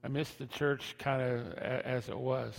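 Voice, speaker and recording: A man preaching a conversational sermon as a pastor, halting and repeating phrases, his speech slightly slurred by missing teeth. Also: medium pitch, little pitch movement, creaky. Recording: long hall reverb.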